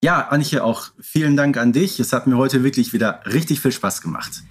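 A man's voice: mid-range voice, moderate pace, slightly rough. A man co-hosting a podcast in casual, conversational talk. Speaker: podcast co-host.

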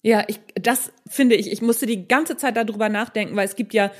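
A woman's voice: medium pitch, fairly even intonation, brisk. Woman interviewer, casual and conversational.

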